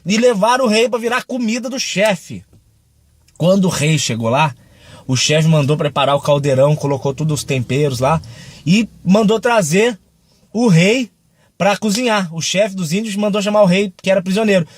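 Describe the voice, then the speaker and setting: A man's voice: sits high, moderate pace. A young Brazilian man giving a casual devotional talk, chatty and joking as he tells a story and acts out its quotes. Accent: Brazilian Portuguese. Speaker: Christian video preacher.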